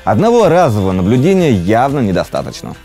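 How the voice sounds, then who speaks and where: A man's voice: medium pitch, big pitch swings, quick pace, dark tone, faint music behind. A man in his thirties presenting a scripted film review with a playful, ironic manner.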